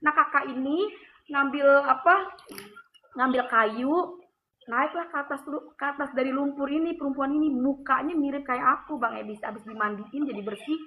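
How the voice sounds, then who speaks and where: Woman telling her testimony over the phone, high voice, rambly, lots of fillers, tinny line with a faint hiss. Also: normal speed. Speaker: caller giving a testimony. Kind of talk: emotional personal testimony. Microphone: phone call.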